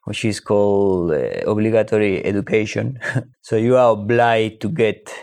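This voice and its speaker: A man with a lowish voice thinks aloud in a relaxed group conversation. He talks reflectively, stumbling over repeated restarts as he works out his point. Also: normal speed, gravelly. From Spain. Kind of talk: casual discussion.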